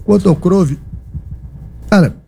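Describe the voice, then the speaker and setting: A Brazilian football coach speaks at a press conference, answering reporters with emphasis, repeating his points and posing rhetorical questions. His voice is high-pitched and slow, with vocal fry and a warm, slightly rough tone. He has a Brazilian Portuguese accent.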